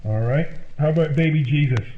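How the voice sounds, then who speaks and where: A man with a high voice plays earnest, huffy radio comedy. The sound is thin and phone-like, with a roomy echo around him. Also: brisk. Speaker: comedy show host performer. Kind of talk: scripted old-time radio comedy sketch. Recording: narrow tinny, roomy, faintly noisy radio sound.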